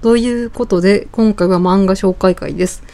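A woman around forty hosting her solo podcast in casual chat, chatty and full of filler pauses. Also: mid-range voice, dark tone. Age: 40s. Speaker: podcast host.

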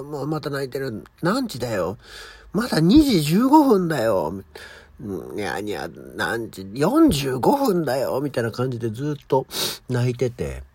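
A middle-aged man hosting his own morning show, chatting casually and with high energy as he tells a story alone. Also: a little mellow, husky, no echo. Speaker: podcast host. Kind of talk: casual solo morning talk.

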